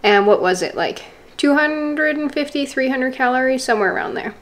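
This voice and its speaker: A woman with a slightly high voice records a casual fitness vlog at home. She chats in a relaxed way and explains each step as she goes. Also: moderate pace. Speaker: fitness vlogger. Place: home kitchen.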